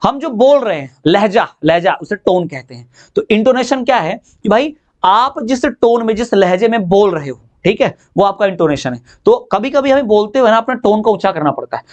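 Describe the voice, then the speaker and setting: A high-voiced man gives an exam-prep lecture. He explains mostly in Hindi, often asking and answering his own questions. When he reads the English definitions, he slows down sharply. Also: animated, a little mellow. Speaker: teacher.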